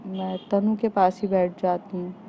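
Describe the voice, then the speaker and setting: A woman voicing a young female student who coaxes and sulks softly, on a dull lo-fi recording. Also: mid-range voice, flat delivery, unhurried, gravelly, a little hiss or hum. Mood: pleading.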